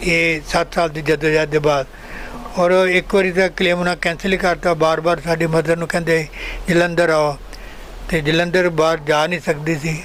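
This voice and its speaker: The intonation is flat and monotone. Background noise is noticeable. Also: man, high pitch for a man. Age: 70s. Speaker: Partition survivor. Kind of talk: interview testimony.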